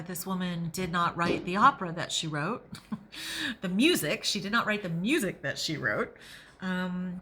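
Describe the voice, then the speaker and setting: A woman hosting a podcast, reading aloud and adding opinionated, emphatic commentary, sometimes pausing to think out loud. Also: medium pitch, slight background noise. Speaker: podcast host and reader.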